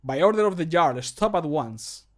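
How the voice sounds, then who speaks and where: A man's voice: on the high side, expressive, normal speed, pitched above the performer's own voice, close to an everyday voice. A man playing a stern fantasy town guard for a video game, in a commanding, projected voice. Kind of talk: video game voice line acting. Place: small closed room at home.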